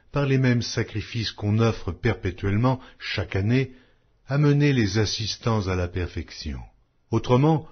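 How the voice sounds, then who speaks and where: Dull lo-fi recording of a man doing solemn bible narration, really swingy intonation, measured phrasing. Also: fairly low pitch, slightly rough. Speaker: audiobook narrator of scripture. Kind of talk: solemn scripted Bible reading. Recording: dull lo-fi audio.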